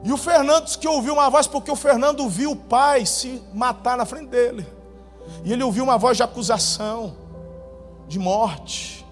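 A male pastor preaching a sermon, telling a testimony dramatically, his voice swinging between loud bursts and hushed moments. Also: very high voice, normal speed. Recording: reverberant hall with faint music.

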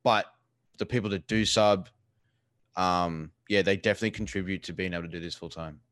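A man's voice: low-pitched, fairly even intonation, fairly quick, a bit bright, no echo, clean studio sound. An Australian man with an Australian accent, chatting casually as a streamer guest in a blunt, sweary, laid-back way. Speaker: live streamer, interview guest. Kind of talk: casual chat. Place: living room.

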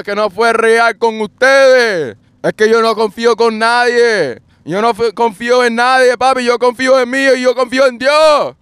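A man's voice: very high voice, fairly bright tone, smooth, no room sound, clean studio sound. A man with a Puerto Rican Spanish accent hosting a podcast. He talks in a defiant, repetitive solo monologue and swears often. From Puerto Rico. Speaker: podcast host.

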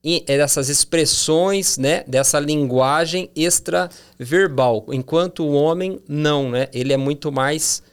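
A man with a gravelly, fry-tinged voice talks casually about communication on a Christian talk show. He is lively and animated, leaping up in pitch whenever he acts out someone else's voice. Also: measured pace, hardly any pauses.

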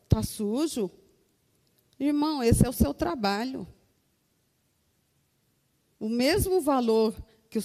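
Brazilian lady giving church testimony, earnest, soft warm tone, long echo. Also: a little high. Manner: earnest, addresses listeners as brothers. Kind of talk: testimony to a congregation.

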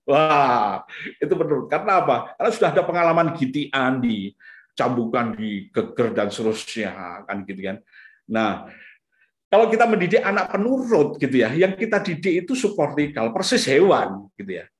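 Male seminar speaker, conversational and animated when he acts out scenes, recorded in an echoey hall. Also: mid-range voice, moderate pace. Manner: conversational, many fillers like "gitu ya"; acts out parents and children in lively bursts. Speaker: lecturer on the brain and parenting. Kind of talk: casual seminar talk. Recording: echoey room.

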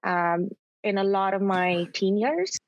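Woman, thirties, from Pakistan, interview guest, earnest, reflective, pauses to find words, mid pitch. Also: no room sound, dull audio. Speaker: amateur triathlete guest. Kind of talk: casual interview chat.

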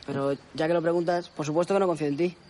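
An actor playing a quick-tongued, defensive young man at a summer camp, firing back sharp, exasperated retorts in film dialogue. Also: on the high side, fairly even intonation, natural voice. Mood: bickering.

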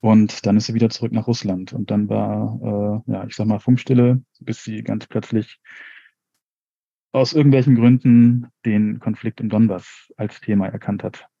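Gravelly, husky-voiced man. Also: fairly low pitch, level tone, moderate pace, mellow, no room sound, dull audio. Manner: hesitant, hedging, with many fillers. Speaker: podcast co-host. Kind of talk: casual podcast discussion.

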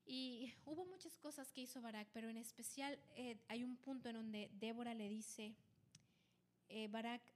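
Lively woman, higher voice. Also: normal speed. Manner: lively storytelling with frequent restarts. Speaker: podcast co-host. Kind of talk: casual Bible study chat.

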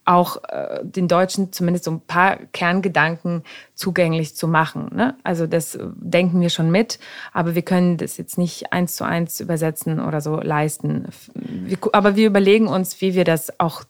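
A woman's voice: lowish voice, steady tone, moderate pace. A woman hosting a podcast, explaining her thoughts at length in casual conversation with many fillers. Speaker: podcast host.

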